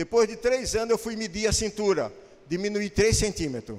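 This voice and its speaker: A man speaks loudly in an animated tone at a moderate pace. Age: 70s. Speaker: pastor and Bible teacher. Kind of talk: Sunday school lecture to a congregation. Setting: church hall with PA system. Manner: loud, projected; animated, humorous storytelling.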